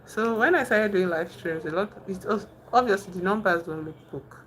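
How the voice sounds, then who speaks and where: A woman's voice: mid-range voice, moderate pace, a little hiss or hum, rough recording. A young Nigerian woman with a Nigerian accent, hosting a casual live stream, chatting with viewers and thinking aloud with many fillers and restarts. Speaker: livestream host.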